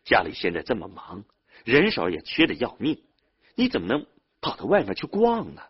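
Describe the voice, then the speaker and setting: A man's voice: fairly low pitch, wildly swooping pitch, normal speed, breathy edge, lo-fi sound, voice pushed up, heavily acted. A man voicing a hardworking young village man who scolds his younger brother in a raised voice. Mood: angry scolding.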